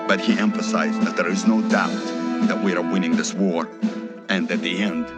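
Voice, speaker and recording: An actor playing a Soviet state radio announcer reading a formal news bulletin. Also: male voice, low voice, steady tone, moderate pace, over loud music, natural voice. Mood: official. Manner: formal, declaiming.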